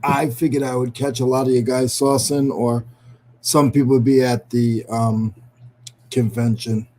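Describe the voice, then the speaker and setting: A New England–accented man chats casually on his livestream, calling out viewers by name and making self-deprecating jokes. His delivery is flat and measured, medium in pitch and a little mellow.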